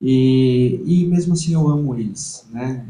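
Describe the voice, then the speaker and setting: A man's dark, mellow tone with lively intonation. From Brazil, Botucatu (São Paulo state). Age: 30s. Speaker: entrepreneur. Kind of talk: interview, personal life story.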